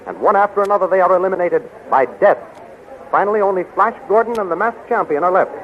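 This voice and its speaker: A man narrating and announcing a radio serial in a dramatic, declamatory 1930s style. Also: high-pitched. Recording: tinny, noisy 1930s radio recording.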